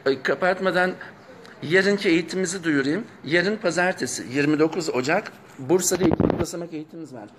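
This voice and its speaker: A man leading a live seminar session, calmly repeating back what participants say. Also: a little high, quick pace, slight background noise. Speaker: seminar leader.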